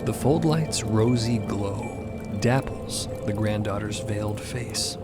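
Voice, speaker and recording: Slow-paced man narrating over loud music. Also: on the low side. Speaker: narrator and voice actor. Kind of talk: scripted, literary audio drama narration.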